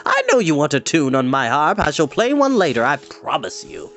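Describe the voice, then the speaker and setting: Man as a theatrical, coaxing storybook bard, lively. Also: on the high side, normal speed. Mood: fond, coaxing. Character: friendly, dramatic male bard, fond and teasing. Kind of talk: storybook character voice.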